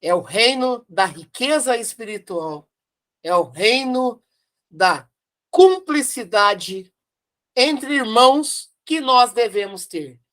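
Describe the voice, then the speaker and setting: A woman with a Brazilian Portuguese accent presents a Spiritist study, speaking slowly and deliberately. Her fairly high voice rises and falls a great deal as she repeats key phrases for emphasis and poses rhetorical questions. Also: animated, fairly bright tone. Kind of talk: devotional study commentary.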